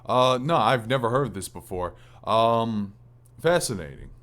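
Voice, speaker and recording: A man's voice: medium pitch, lively intonation, measured pace, a bit bright. A man hosting a gaming podcast, talking in an informal, rambling way with casual swearing. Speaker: podcast host.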